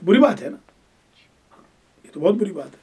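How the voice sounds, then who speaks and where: A man with a notably high voice leads a religious grammar class. He explains patiently, then corrects his students sharply and firmly. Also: big pitch swings, warm tone, breathy edge. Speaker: religious studies teacher.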